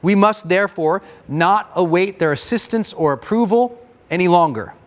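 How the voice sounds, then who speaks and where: Male narrator, fairly high voice, dry close sound, earnest oratorical delivery. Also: animated, normal speed, dry recording. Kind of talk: scripted motivational reading.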